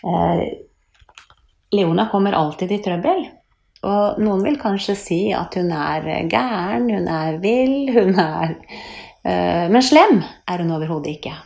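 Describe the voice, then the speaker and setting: A woman, a children's book author, chats in a lively way about her books and reads from them. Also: lowish voice, creaky. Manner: lively, chatty, with little laughs. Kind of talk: presenting and reading her books. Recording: echoey room.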